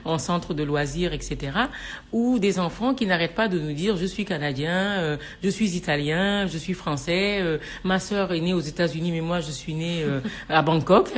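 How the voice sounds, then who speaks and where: Senegalese lady radio host, lowish voice, stumbles and restarts a lot. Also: moderate pace. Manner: hesitant, restarts often. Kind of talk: radio talk show chat.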